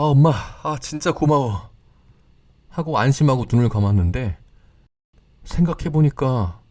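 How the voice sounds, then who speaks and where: Dark-voiced male horror narrator. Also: medium pitch. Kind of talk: scripted horror radio narration.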